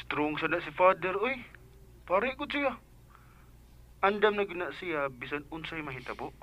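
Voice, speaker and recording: A woman's voice: sits low, animated, a little slow, fairly bright tone, exaggerated voice. A Bisaya Filipino woman playing a scatterbrained, teasing, chatty sidekick with an exaggerated, flippant manner in radio comedy. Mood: matter-of-fact.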